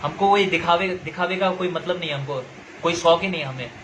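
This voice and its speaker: Young man ranting, high voice. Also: fast talker, a bit bright, slight background noise, low-quality recording. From Nagaland, India. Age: young adult. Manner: confrontational, lecturing, repeats himself. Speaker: social media commentator. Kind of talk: angry direct-to-camera rant.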